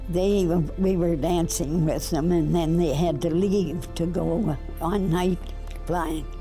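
Over faint background music, a woman with a fairly low pitch speaks at a very slow pace, her intonation fairly even and her loudness very even. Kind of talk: interview answer. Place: hall. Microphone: lapel.

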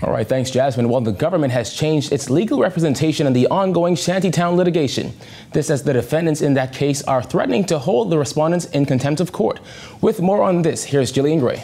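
A man at a very fast pace, with very even loudness and ordinary pitch variation. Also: fairly high pitch for a man. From Bahamas. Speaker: news anchor. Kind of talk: news reading. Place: studio. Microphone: lapel.

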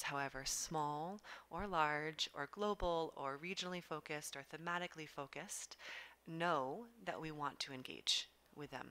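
A woman speaks with a very deep, low pitch and a bright, sharp tone, her pitch varying in an ordinary way. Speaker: development bank representative; panelist. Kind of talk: panel response. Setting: on stage at conference panel with microphone. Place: hall. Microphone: podium.

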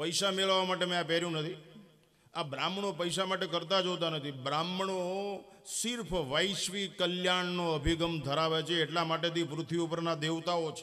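This man's voice sits high in pitch, with fairly even intonation. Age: 70s. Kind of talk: religious discourse. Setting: religious gathering with audience. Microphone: podium.

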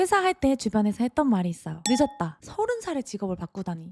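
A woman's fairly high voice with very wide pitch swings and a fairly quick pace, dry and close with no echo, over background music. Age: 30s. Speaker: fitness trainer and former teacher. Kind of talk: personal vlog monologue.

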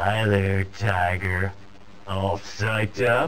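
A man's put-on character voice, raspy and fairly low-pitched, with monotone, flat intonation at a very slow pace. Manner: disturbing, creepy.

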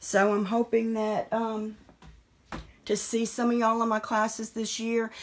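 A woman speaks with a Southern US accent at a fairly slow pace. Her fairly high voice stays monotone and flat. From US South. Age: 50s. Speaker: paint and craft business owner; art teacher. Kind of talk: live stream chat. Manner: casual, halting. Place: workshop. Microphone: phone near.

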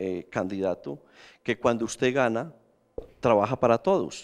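In a quiet background, a man's lively intonation comes through at a moderate pace. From Colombia, Antioquia (Sonsón/Argelia); Antioquia, Colombia. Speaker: mayoral candidate, former congressman; candidate. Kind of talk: political debate. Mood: combative, rebutting. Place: studio. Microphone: handheld.

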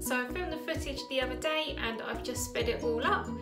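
Over loud music in the background, a woman speaks at a moderate pace. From UK. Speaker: cleaning and makeup YouTuber. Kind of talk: casual talk to camera, product rundown. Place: home room. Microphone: camera far.

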